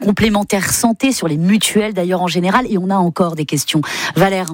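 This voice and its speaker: A woman hosting a live radio show in a studio, exclamatory and quick to laugh. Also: on the low side, steady tone, no echo. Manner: warm-hearted, exclamatory, laughs often. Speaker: radio host. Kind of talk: lively live radio chat.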